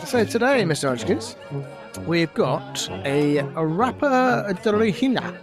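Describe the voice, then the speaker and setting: A man's voice: sits high, very animated, measured pace, over music. A man co-hosting a casual podcast chat, playful and announcing segments like a game show. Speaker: podcast co-host.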